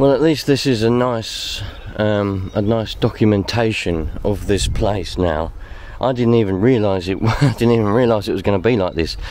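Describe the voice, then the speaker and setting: A man with an unremarkable speaking voice talks at a moderate pace in a fairly low pitch with ordinary pitch variation, the sound dry with no echo and light background noise. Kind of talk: casual vlog chat. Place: open country. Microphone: phone near.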